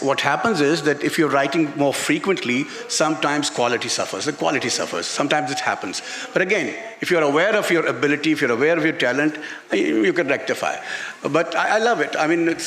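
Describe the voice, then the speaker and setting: Pakistani man, halting and emphatic. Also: on the high side, fairly bright tone. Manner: halting, repeats words and phrases emphatically. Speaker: author and journalist being interviewed. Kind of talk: live book talk, spontaneous answers. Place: literary festival stage in a garden venue.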